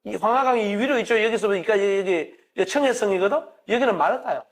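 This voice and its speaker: A man's voice: high voice, animated, fast. A middle-aged man from the Gyeongsang region, with a Gyeongsang accent, giving a classroom lecture and questioning his audience conversationally. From Gyeongsang region of Korea. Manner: conversational, asks the audience questions and answers them. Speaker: university professor lecturing.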